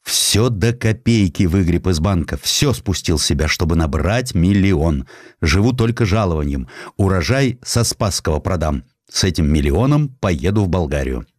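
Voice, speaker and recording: A man's voice: low voice, animated, moderate pace, darkish tone, no echo, studio quality. A man reading an audiobook voices a weary, fatalistic Russian general who broods dramatically on his death. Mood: feverish. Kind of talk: audiobook character acting.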